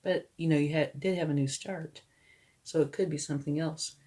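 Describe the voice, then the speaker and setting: A woman with a hoarse voice from a cold, giving a tarot card reading in a relaxed, reassuring way and often checking in with the listener. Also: deep voice, moderate pace. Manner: reassuring, explains each card to the viewer and checks in with "okay?". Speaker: tarot reader. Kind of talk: tarot card reading, casual spoken explanation.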